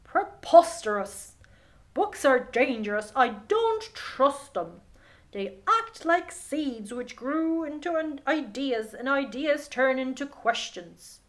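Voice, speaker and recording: A woman's voice: sits high, lively intonation, slow pace, pitched above the performer's own voice. A woman voicing a pompous, scolding male town mayor who hates books, declaiming emphatically in a children's storybook. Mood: indignant, pompous. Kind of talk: children's storybook read-aloud.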